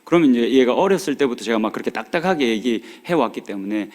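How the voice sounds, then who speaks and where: A man in his forties preaches a sermon in a church sanctuary, speaking in a regional dialect at a middle pitch. His delivery is earnest and pleading as he exhorts the congregation. His voice carries a long reverb from the large hall. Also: lively intonation, fast, darkish tone. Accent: Korean regional dialect. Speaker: pastor.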